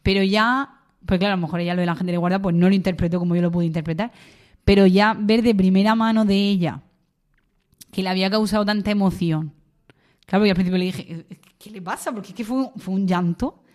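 A woman's voice: mid-range voice, fast talker, darkish tone. A young university student, a woman, sharing a personal faith testimony in an interview, with many fillers and restarts. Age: young adult.

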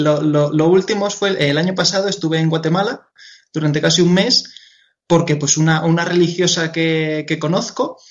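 This guest on a radio interview is a Madrid-born singer-songwriter in his twenties, with a Madrid Spanish accent and a slightly high voice. He answers earnestly but hesitantly, frequently repeating and restarting words, and the audio sounds dull.

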